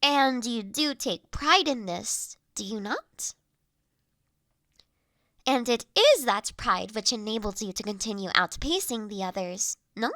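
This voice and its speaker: A woman acts out a gentle young lady of the manor in an intimate roleplay audio drama. Her voice is high and she takes her time over formal, measured phrases, earnest and caring. The sound is close and very dry. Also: expressive, no echo. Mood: gently persuasive.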